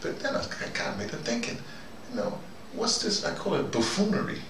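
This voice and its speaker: Echoey, gravelly American older man rambling. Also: on the high side, very animated, moderate pace. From United States. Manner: wry, musing, self-questioning. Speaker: host. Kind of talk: rambling conversational monologue. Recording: echoey room, noisy, distant mic.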